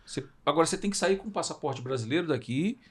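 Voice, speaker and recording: A man's voice: fairly high pitch, lively intonation, quick pace, breathy edge. A Brazilian man hosting a podcast, asking curious follow-up questions and giving frequent short affirmations. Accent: Brazilian Portuguese. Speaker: podcast host. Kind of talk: interviewing on a podcast.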